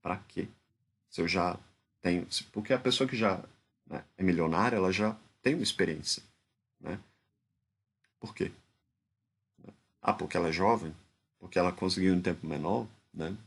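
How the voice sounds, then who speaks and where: Man, Brazilian accent, informal commentary, very deep voice, husky, hesitant with frequent restarts. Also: normal speed, long pauses. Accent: Brazilian Portuguese. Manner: hesitant, restarts often, keeps adding tag questions. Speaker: discourse analysis commentator.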